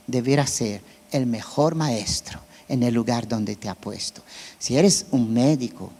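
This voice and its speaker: A man's voice: medium pitch, darkish tone, in a large hall. A Brazilian man who speaks Portuguese as his first language preaches in Spanish with a Brazilian Portuguese accent, keeping it conversational and checking in with his listeners. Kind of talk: sermon. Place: church.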